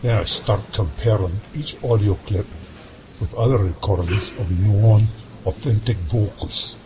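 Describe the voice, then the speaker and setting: Radio drama: seasoned Scottish technician played by a man, lowish voice, folksy explainer, audible noise. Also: unhurried, lightly acted. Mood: genial. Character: easygoing seasoned Scottish audio analyst. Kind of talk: amateur radio drama acting.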